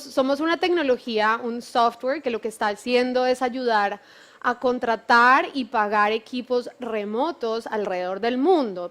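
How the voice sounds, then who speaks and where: A Colombian woman in her thirties with a Bogotá accent, explaining her company fluently as a panel guest. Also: a little high. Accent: Bogotá Colombian Spanish. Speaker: panelist, tech company manager. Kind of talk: panel conversation.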